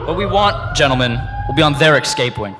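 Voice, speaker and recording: A man's voice: on the high side, expressive, fairly quick, noisy background, lightly acted. Teenage boy as imperious airship commander in echoing hall. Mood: contemptuous, commanding. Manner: barking orders, contemptuous. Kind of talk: radio play acting. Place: live on a theater stage. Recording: reverberant theater hall with music.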